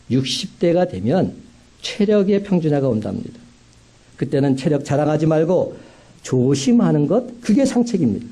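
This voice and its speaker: Husky-voiced pastor preaching with lively swings. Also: male voice, fairly high pitch. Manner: emphatic preaching with rising climaxes and slow stressed phrases. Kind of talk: sermon.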